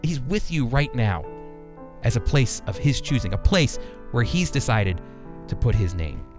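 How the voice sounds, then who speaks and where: A man's voice: mid-range voice, very animated, unhurried, music in the background. An American man hosting a Christian radio program, teaching in a conversational preaching style with earnest, emphatic phrasing. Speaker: radio host and Bible teacher. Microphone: close studio microphone.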